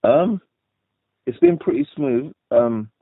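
A young London boxer with a London accent takes his time answering interview questions, his medium-pitched voice swooping wildly in pitch and sounding creaky and husky. His answers are laid-back and rambling, full of fillers, and the audio is an echo-free, tinny, dry phone line.

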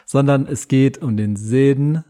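A man's voice: mid-range voice, slow, mellow. A man co-hosting a podcast in casual comedic chat, wry and mock-exasperated. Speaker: podcast co-host.

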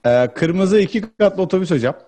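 A man in a casual group chat, giving animated, rambling explanations. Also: high voice, a little fast. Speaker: guest.

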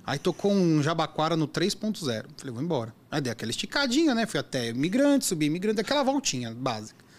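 A man tells driving stories at a fast clip. His voice is fairly high and swings widely in pitch as he acts out what people said, like a lively storyteller. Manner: animated storyteller, acts out quotes. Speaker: app driver. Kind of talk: casual chat.

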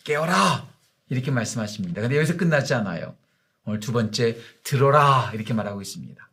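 A male pastor giving a morning devotional sermon, emphatic and speaking directly to his congregation, slowing down to stress key words. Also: on the low side, animated.

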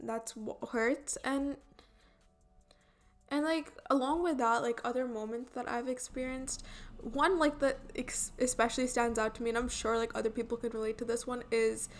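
She is a young adult woman from India, and a light Indian accent colours some of her words. She rambles in a relaxed, chatty way, with "like" in nearly every phrase. Her voice sits a bit high for a woman. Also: normal speed. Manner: chatty, filler-heavy, many "like"s and restarts. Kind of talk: casual personal chat.

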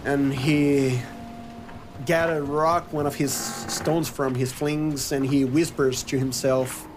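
A man improvising his character's story as a player in a tabletop role-playing game, halting as he searches for words. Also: medium pitch, steady tone. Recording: clear background noise.

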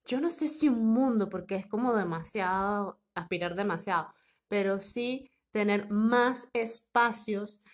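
A woman's voice: mid-range voice, measured pace. Woman, podcast co-host, casual and teasing.

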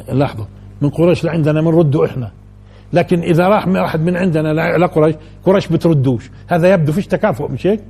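This religious teacher, a man, delivers a colloquial scripture lesson at a quick pace. His voice is fairly high and husky with a dark tone, and he repeatedly puts rhetorical questions to his listeners.

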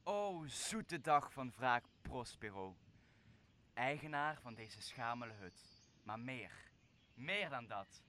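A man playing a vengeful exiled magician and father in a radio play, brooding and theatrical, with deliberate drawn-out phrasing. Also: mid-range voice, lively intonation, pushed and bright, slight background noise. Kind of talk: Dutch radio play acting.

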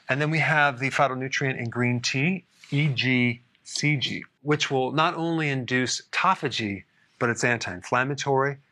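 A man with a bright, forward voice hosts a health podcast on his own. He explains things in a relaxed, conversational way and drops in deadpan sarcastic asides. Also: medium pitch. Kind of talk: solo explainer talk.

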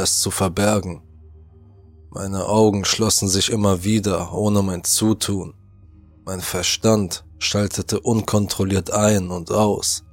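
A man narrating a first-person horror story in a tense voice, acting out his own shouted lines. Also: sits low, no echo.

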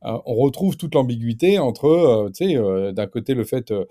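A man talks in a relaxed, chatty way, his pitch swinging widely as he makes his points. His voice is deep in color and quite dark. The sound is dry and close. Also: normal speed, dry recording. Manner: animated, emphatic, many fillers and restarts. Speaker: guest commentator. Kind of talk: casual radio discussion.

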